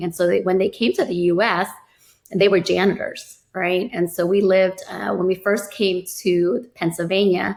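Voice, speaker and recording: A woman speaks with a normal speaking voice at medium pitch and a moderate pace. She has an American accent. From US South, New Orleans (after Germany). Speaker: real estate investor. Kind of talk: interview.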